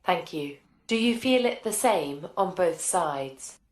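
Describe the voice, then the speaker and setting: A woman's voice: lowish voice, lively intonation, slow, darkish tone. A woman acting as a clinician, giving polite, simple step-by-step instructions to a patient. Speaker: clinician demonstrating an examination. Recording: echoey room.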